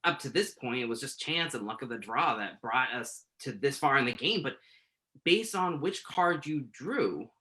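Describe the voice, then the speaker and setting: A man's voice: medium pitch, animated, normal speed, pushed and bright. A man acting the part of a nervous, earnest entertainment journalist in a conversational play reading, tentative and thoughtful as he interviews. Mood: tentative, musing. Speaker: actor in a virtual staged reading.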